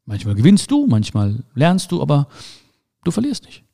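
A man's voice: a little high, wildly swooping pitch, moderate pace, creaky, dark tone. A man giving a motivational talk in an emphatic way, repeating his key phrases. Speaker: motivational speaker.

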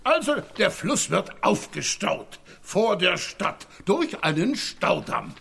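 A man's voice: high voice, big pitch swings, slow pace, gravelly, bright, forceful tone, husky, exaggerated voice. An actor playing a selfish, pompous and dismissive male town mayor in a children's audio drama. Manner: pompous, dismissive, stumbling over names.

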